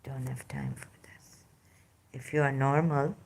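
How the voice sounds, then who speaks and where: A speaker with a Pakistani English accent giving an unscripted personal testimony, hesitant and halting, with frequent fillers and restarts. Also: mid-range voice, fairly even intonation, gravelly. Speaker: vlogger sharing personal experience.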